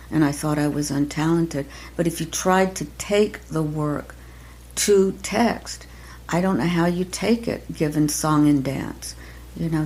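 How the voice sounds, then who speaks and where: An older woman, an acting teacher, talking reflectively in an interview, soft-spoken and halting, with many pauses and restarts. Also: low-pitched, creaky. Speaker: acting teacher, podcast guest.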